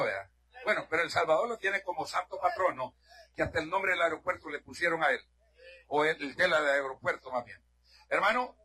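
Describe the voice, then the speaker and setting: A fiery middle-aged man from Honduras preaches to a church congregation with a high, bright voice. He swings from ringing shouts down to low, confiding asides. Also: slightly rough. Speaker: pastor. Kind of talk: sermon.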